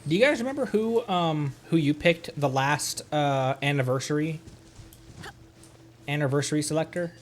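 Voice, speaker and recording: A man's voice: fairly high pitch, normal speed, soft background music. A man doing casual live game commentary, playfully muttering to himself and chatting to his viewers. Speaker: streamer.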